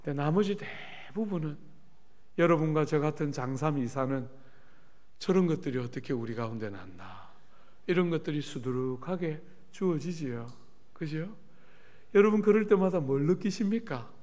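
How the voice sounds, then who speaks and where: A middle-aged man preaching at a church revival service, telling lively stories and often turning to the congregation with questions. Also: a little high, moderate pace. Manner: animated storytelling with asides to the congregation. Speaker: pastor. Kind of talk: revival sermon. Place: church sanctuary.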